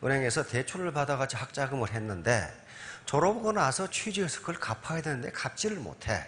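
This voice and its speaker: A man talks at a fairly quick pace, his fairly high pitch swinging very widely. Noticeable background noise sits behind him. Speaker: lecturer. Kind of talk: lecture.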